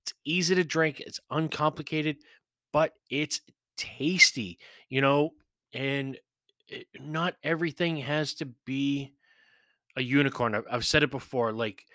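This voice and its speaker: A man's voice: mid-range voice, normal speed, fairly bright tone, dry recording, studio quality. A man hosting a podcast, giving a blunt, chatty whiskey review with profane, mocking asides. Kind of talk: casual spoken review.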